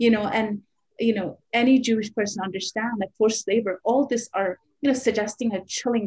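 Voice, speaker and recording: A woman talks at a fairly quick pace in a fairly high, somewhat breathy voice. Her pitch varies ordinarily against a quiet background. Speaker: activist. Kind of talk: panel discussion. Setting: video call. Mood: earnest, impassioned. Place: home room. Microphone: video call.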